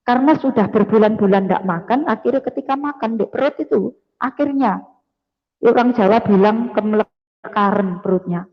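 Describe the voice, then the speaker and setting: A woman giving an animated church testimony, acting out sounds and often turning to her listeners. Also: mid-range voice, moderate pace. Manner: animated storytelling with sound effects, calls the audience "brothers and sisters". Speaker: testimony giver. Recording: echoey hall, dull lo-fi sound.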